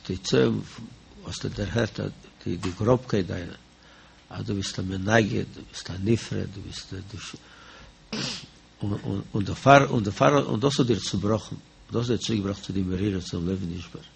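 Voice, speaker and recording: A man's voice: lowish voice, moderate pace, vocal fry, a little hiss or hum. A man giving a spoken religious discourse as a teacher of Hasidic thought, repeating phrases and posing and answering his own questions.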